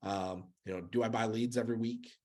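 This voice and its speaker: A man's voice: lowish voice, steady tone, fairly quick, a little mellow. A man in his thirties giving an earnest motivational talk to sales agents, repeating key phrases and using many fillers. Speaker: sales coach.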